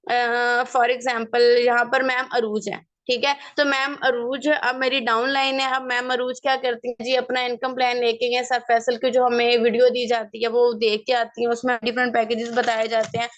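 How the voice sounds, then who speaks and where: A young woman, running an online sales training over a video call, lively and coaxing, mixing in English phrases. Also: fairly high pitch, normal speed, few pauses. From Pakistan. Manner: lively and coaxing, mixes in English phrases, keeps asking "theek hai".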